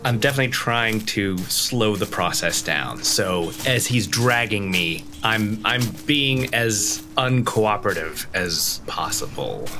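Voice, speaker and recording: A man casually describes his moves in a tabletop game. He speaks slowly in a slightly low voice over clear music. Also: lively intonation.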